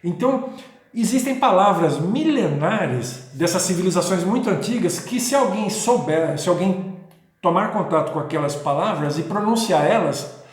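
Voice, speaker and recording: A man's voice: high-pitched, expressive, moderate pace. A man talking in a rambling, casual way with many restarts and checking questions, as host of his own video. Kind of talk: casual spoken talk on spirituality. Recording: very echoey room.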